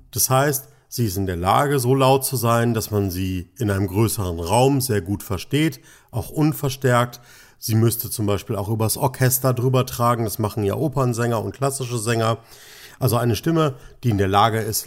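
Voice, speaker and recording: Male voice coach explaining to students, mid-pitched, expressive, drawn-out emphasis. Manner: lively, shifts pitch and pace for emphasis. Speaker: voice and singing teacher. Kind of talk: explanatory lesson.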